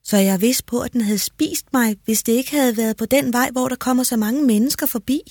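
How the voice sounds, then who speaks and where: A man voicing the innocent little girl Red Riding Hood in a storybook reading, in a high, soft, childlike tone. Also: no room sound, studio quality. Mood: earnest.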